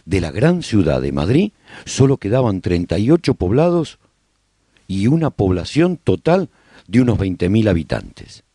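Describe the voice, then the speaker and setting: Low, husky male survivor narrating , voiced by an actor. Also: mellow, no room sound, studio quality, full character voice. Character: male survivor recounting life after a zombie apocalypse. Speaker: narrator of a serial radio drama. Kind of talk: scripted first-person radio drama narration.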